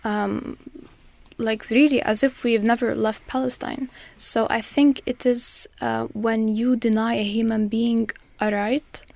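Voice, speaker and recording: A woman in her twenties from Lebanon, talking as a podcast guest in a measured way with many pauses and fillers. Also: fairly high pitch, steady tone, gravelly, a little mellow, no room sound. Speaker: guest, master's student. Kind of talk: conversational interview.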